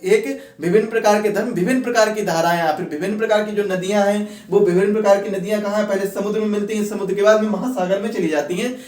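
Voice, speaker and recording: A man with a notably high voice lectures like an exam coach, restating each point in new words and dropping in English terms. The recording is echoey and he sounds set back from the microphone. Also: fairly even intonation, quick pace, hardly any pauses, a little mellow. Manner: repetitive, rephrasing points step by step; mixes English terms into speech. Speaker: exam-prep teacher. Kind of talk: explanatory lecture for exam students. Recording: roomy echo, distant from mic.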